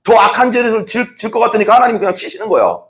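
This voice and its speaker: A man preaching a sermon, quizzing the congregation and acting out proud people in quick asides. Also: high-pitched, sing-song, fairly bright tone. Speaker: pastor.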